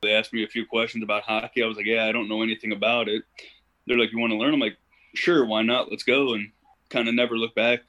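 A young man from Ohio appears as a podcast guest, telling stories in an easygoing casual interview chat peppered with fillers like "you know." He talks fast in a low-ish voice with little pitch movement and a sharp tone.

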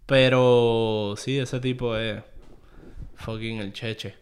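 A man's voice: mid-range voice, steady tone, very slow, clean tone. A man hosting a podcast in a loose, easygoing chat. He rambles from point to point and drops English phrases into his as he goes. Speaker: podcast host. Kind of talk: casual chat.

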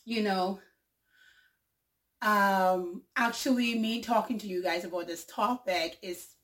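A woman's voice: mid-range voice, slow pace, a bit bright. A young woman from Liberia, hosting her own vlog in a casual, upbeat way, repeating herself and using many fillers. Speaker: vlog host and singer. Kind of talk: casual talk to camera. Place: Canada.

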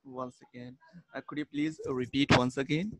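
A man whose first language is Hindi, speaking English with lots of "uh"s and restarts. His voice sits at an ordinary pitch, and the sound is dry and close, with no room echo. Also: steady tone, normal speed, a bit bright. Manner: hesitant, filler-heavy non-native English. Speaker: viewer joining a video call. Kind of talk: casual video call chat. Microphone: computer mic on a video call.

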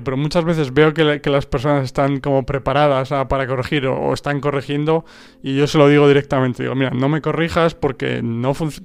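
A mid-range, creaky, smooth male voice belongs to a language-learning podcast host whose mother tongue is Spanish. In an informal solo talk he mulls over ideas thoughtfully, restarting many times and asking listeners rhetorical "¿no?"

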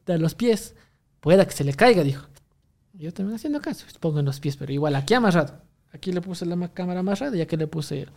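A man's voice: on the high side, darkish tone. A young man, rambling through a story in casual chat, full of restarts and fillers. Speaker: guest telling a story.

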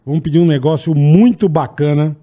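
Man, Brazilian accent, high-pitched voice, podcast co-host, casual banter, exclamatory, slangy swearing. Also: brisk, dark tone, muffled recording. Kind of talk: casual chat with live ad reads.

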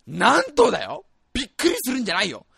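Guy on a radio podcast rattling off a funny story super fast, gravelly edge, all hyped up. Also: extremely high pitch, dry recording, studio quality. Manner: excitable, exaggerated comic storytelling. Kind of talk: comic storytelling chat.

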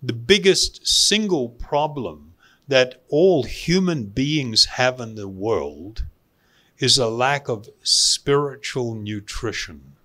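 A man giving a spiritual lecture as a teacher, speaking deliberately with pauses and repeating phrases for emphasis. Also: mid-range voice, animated, pushed and bright. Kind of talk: spiritual lecture to a live audience.

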